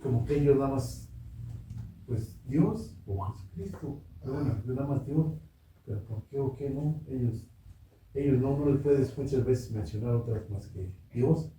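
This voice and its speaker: A man's voice: mid-range voice, normal speed, warm tone. A man speaking up during a Bible class, rambling and hesitant. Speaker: class participant. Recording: distant, very echoey, with faint noise.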